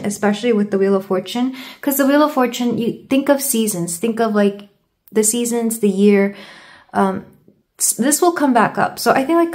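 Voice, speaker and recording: With a fairly high, slightly mellow voice, a woman reads tarot cards for her viewers. She trips over her words and sounds stuffed up because of a sore throat.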